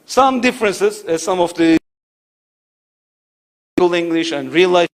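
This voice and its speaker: Male academic speaker, fairly high voice, lecturing in an auditorium, rhetorical, keeps checking in with listeners. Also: lively intonation, slow. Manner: rhetorical, checks in with "right?" and "you see". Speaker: conference speaker.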